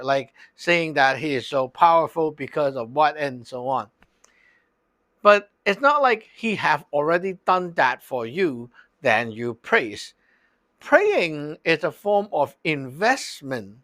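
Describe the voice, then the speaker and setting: Slow-talking man teaching in a dry room. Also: a little high, big pitch swings, a bit bright, dry recording. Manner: loose and chatty, peppered with "like" and "okay?". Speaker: Taoist teacher. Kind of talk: casual spoken lesson.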